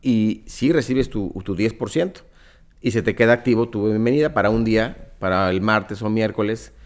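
A man's voice: fairly low pitch, normal speed. A man in his thirties with a northern Mexican accent, a startup founder explaining his business in an interview, using examples and many fillers. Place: office meeting room. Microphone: studio mic on desk stand.

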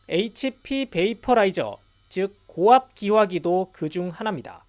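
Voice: medium pitch, darkish tone. A news reporter reading scripted narration for a broadcast industry report.

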